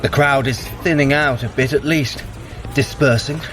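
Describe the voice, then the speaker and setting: An actor playing a sly, sardonic trickster god in disguise, wry and dismissive, in a fitness audio drama. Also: male voice, mid-range voice, steady tone, normal speed, over music, lightly acted. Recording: clear urban outdoor noise behind.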